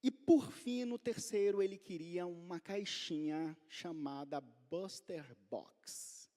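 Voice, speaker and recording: A man in his forties with a Brazilian Portuguese accent, preaching a sermon as a pastor and telling a story that swings from quiet to loud. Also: high voice, slow. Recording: long reverb of a large hall.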